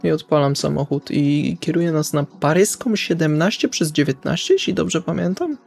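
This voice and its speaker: Gravelly, higher-voiced male roleplayer. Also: normal speed, a little mellow. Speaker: player in a tabletop roleplaying game. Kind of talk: casual in-character roleplay.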